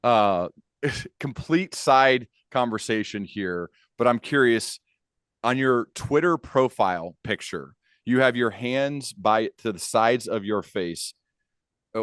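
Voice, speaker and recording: A man's voice: fairly low pitch, fairly bright tone, clear, resonant tone, dry recording. Man hosting, close dry sound. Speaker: podcast host, interviewer. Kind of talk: conversational interview.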